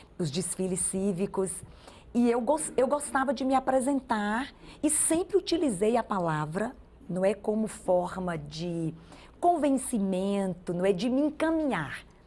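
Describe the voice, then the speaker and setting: With a Bahian accent, a woman speaks at a fairly slow pace in a fairly high, dark, mellow voice that swings very widely in pitch. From Brazil, interior of Bahia (Vitória da Conquista). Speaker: state legislator. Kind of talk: TV interview.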